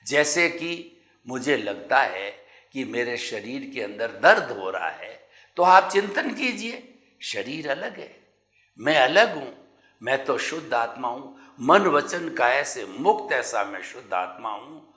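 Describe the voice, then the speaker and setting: Slow, bright-voiced man giving spiritual discourse. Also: mid-range voice, reverberant. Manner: slow, measured, repeats phrases calmly. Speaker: spiritual speaker.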